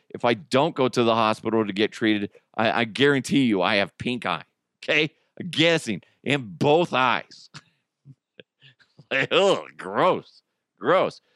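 A man's voice: medium pitch, fairly bright tone, dry recording, studio quality. A middle-aged man hosting a podcast as a casual, jokey solo monologue with crude humor. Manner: jokey, crude, acts out imagined exchanges. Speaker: podcast host.

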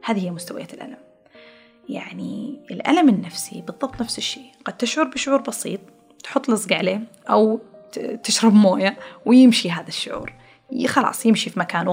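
A woman's voice: medium pitch, vocal fry, breathy edge. A woman hosting a podcast, explaining ideas in a chatty way through everyday comparisons, often restarting her sentences. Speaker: podcast host. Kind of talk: casual explanatory talk.

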